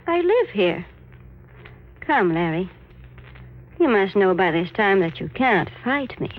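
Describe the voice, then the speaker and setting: A woman's voice: mid-range voice, big pitch swings, slow. An actress playing a sinister, commanding supernatural woman, poised and taunting, in 1940s radio horror style. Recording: noisy old radio recording.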